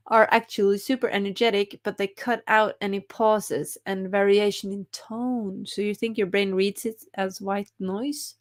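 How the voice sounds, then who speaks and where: A young woman hosting a writing live stream, reading chat comments aloud in a cheerful, giggly way. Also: mid-range voice.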